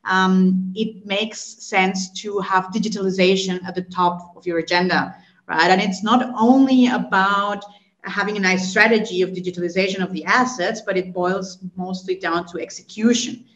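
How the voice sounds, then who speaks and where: Colombian-born woman in her thirties, explanatory guest, average pitch, dull echoey call audio. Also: fairly even intonation, normal speed, a bit bright. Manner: fluent, explanatory, frequent "right?" and "um" fillers. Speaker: guest, consulting executive. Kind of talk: podcast interview answers.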